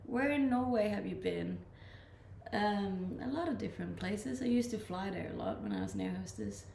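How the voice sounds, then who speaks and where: A woman's voice: medium pitch, very animated, a little slow, gravelly, warm tone. Laid-back Danish-accented woman streamer. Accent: slight Danish, mixed from living abroad. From Denmark. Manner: laid-back, chatty, often laughing. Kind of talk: casual chat reading live comments. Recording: echoey room, faint ambient noise.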